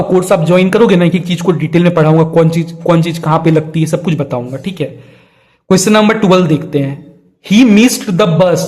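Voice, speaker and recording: A man's voice: high voice, darkish tone. A young man teaching an exam-prep lesson, explaining step by step, often checking in with fillers and putting questions to his students.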